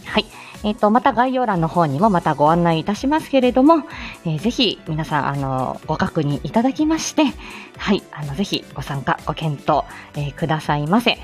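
With soft music in the background, a woman who works as a speech therapist runs her weekly casual morning stream solo. She talks briskly and very animatedly in a fairly low voice, sounding flustered, with lots of fillers and small laughs.

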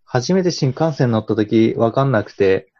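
A mellow, warm-toned man chatting casually as a podcast guest, easygoing and quick to laugh. His speech is relaxed and informal. The recording is dry and slightly dull. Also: medium pitch, dry recording.

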